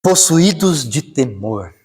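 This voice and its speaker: Brazilian man preaching in a reverberant hall. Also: big pitch swings. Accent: Brazilian Portuguese. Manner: swings from slow, hushed lines to high, urgent climbs. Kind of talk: sermon.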